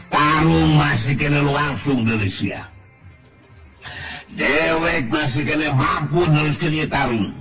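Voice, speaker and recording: Male storyteller as coarse folktale fighting villain: Sundanese accent, low, slow, arrogant, boastful, over loud music. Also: lightly acted. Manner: groaning, muttered inner monologue and boastful threats. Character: coarse, arrogant male martial-arts villain, cursing and brooding.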